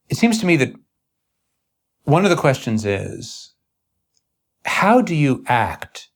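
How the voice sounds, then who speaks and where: A man interviewing in an earnest intellectual conversation, speaking in formal academic phrases with a halting, searching delivery. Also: medium pitch.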